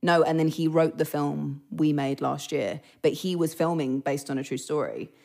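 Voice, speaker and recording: A woman's voice: low-pitched, normal speed, creaky, a little mellow. A British woman chatting as a podcast guest, self-deprecating and full of fillers. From Britain. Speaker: actress guest. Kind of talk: casual podcast chat. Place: remote or studio podcast recording.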